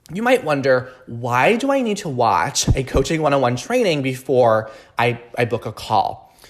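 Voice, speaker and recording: Speaking alone on his podcast, a medium-pitched male host and coaching trainer delivers a promotional explainer. His manner is earnest and emphatic, with frequent check-ins directed at the listener.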